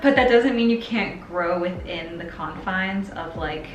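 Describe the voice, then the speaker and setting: A woman in her twenties, a sewing vlogger, chats casually in a bubbly, playful, hyperbolic way. Her voice is lowish and a little slow, with slight background noise, a roomy echo and music playing behind her.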